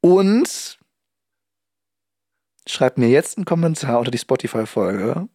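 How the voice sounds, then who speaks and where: A man's voice: mid-range voice, big pitch swings, a little slow, mellow, no echo. Chatty young man with a dry sound. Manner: chatty, rambling with many fillers and restarts. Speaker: podcast co-host. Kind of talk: casual chat.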